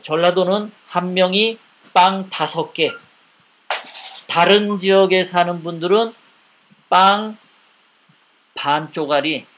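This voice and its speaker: A man's voice: sits high, a bit bright. A man hosting a live political commentary show, talking in an indignant way and piling up repeated rhetorical questions.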